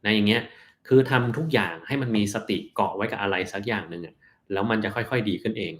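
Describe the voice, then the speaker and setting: A man, a doctor, reads out viewers' health questions on a live stream and answers them in a plain, relaxed way, slowing down to explain terms. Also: on the low side.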